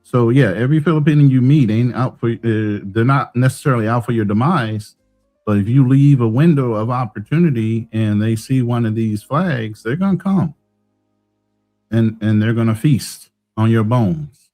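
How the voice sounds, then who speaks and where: A man's voice: medium pitch, moderate pace, mellow, soft background music. A man giving casual, conversational commentary as co-host of a livestream.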